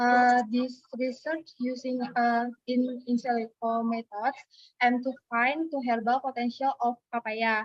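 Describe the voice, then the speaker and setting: A woman with an Indonesian accent speaks at a fairly slow pace. Her voice is high, with monotone, flat intonation. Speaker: conference presenter. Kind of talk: academic presentation. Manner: halting.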